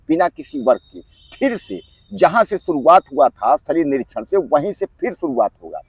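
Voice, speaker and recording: A man giving direct-to-viewer news commentary, talking to the audience as friends, repeating his points insistently and often filling pauses with a habitual filler phrase. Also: fairly high pitch, a little mellow, slightly rough, no room sound. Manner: keeps inserting the filler "jo hai".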